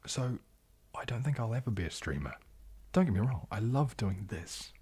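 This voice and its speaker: Hushed, breathy low-voiced New Zealand man. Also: animated, moderate pace. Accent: New Zealand, soft, often taken for British. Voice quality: hushed, breathy, often slipping into whisper. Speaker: ASMR YouTuber hosting a live stream. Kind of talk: ASMR livestream chat, reading and answering viewer comments.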